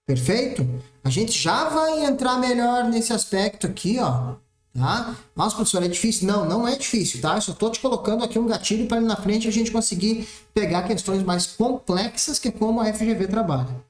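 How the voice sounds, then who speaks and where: A man's voice: high voice, expressive, normal speed. A man teaching an exam-prep math lesson, explaining step by step and checking in often. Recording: roomy echoey room.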